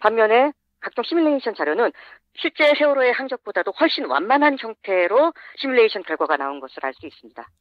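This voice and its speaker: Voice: mid-range voice, sing-song, fast talker, no echo, lo-fi sound. Disguised voice-changed interview guest. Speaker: interview guest, anonymous investigator. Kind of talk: explaining findings in a broadcast interview.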